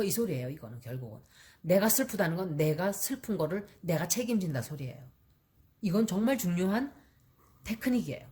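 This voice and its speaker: A woman with a lowish, mellow voice works as an astrologer and tarot reader, giving casual spoken horoscope advice. She's chatty and repetitive, mixes English terms into her talk and acts out short example dialogues.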